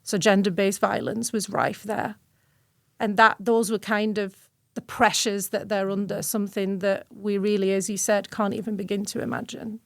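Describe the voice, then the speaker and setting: A woman's voice: mid-range voice, little pitch movement, normal speed, vocal fry, no room sound, studio quality. A woman originally from Syria, speaking earnestly and reflectively as a guest on an interview podcast, often restarting her sentences. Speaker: guest researcher.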